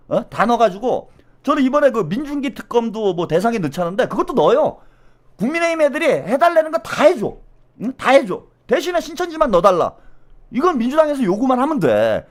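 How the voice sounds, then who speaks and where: A man hosting solo political commentary, animated and blunt, with slangy speech and constant "어?" tag questions. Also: high voice.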